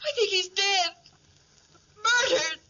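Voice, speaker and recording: A woman's voice: extremely high pitch, slow pace, sharp tone, heavily acted. An actress playing a frantic woman pleading urgently in a 1940s radio drama. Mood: panicked. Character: frantic woman reporting trouble to a detective. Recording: dull, muffled old radio recording.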